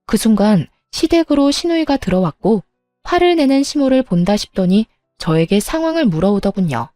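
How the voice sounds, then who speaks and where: Woman storyteller, defiant and sharp, mellow dark tone, dry close sound. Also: mid-range voice, very animated, moderate pace, no room sound, soft background music. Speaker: storyteller narrating as daughter-in-law. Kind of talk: dramatized first-person story narration.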